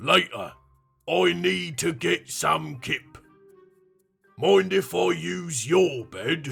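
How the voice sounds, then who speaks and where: A man puts on a raspy character voice at a medium pitch, speaking at a very slow pace with very wide pitch swings and long, frequent pauses, while faint music plays in the background. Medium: comedy sketch. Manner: deadpan, nonchalant.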